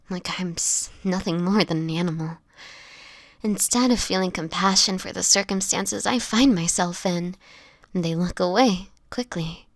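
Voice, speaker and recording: An actress voices a sickly homeless vampire woman for an intimate audio drama. Her voice is soft and crackles with fry, often sinking into a whisper. She speaks haltingly in courteous, old-fashioned phrases, gentle yet guarded and sad, recorded close and dry. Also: lowish voice, no room sound. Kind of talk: intimate audio roleplay acting. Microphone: close microphone, dry.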